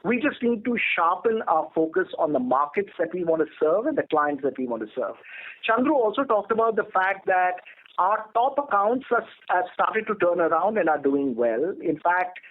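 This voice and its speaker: A man speaking as a company executive, answering on an earnings call in a measured, emphatic corporate manner. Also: high-pitched, big pitch swings. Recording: narrow telephone conference line.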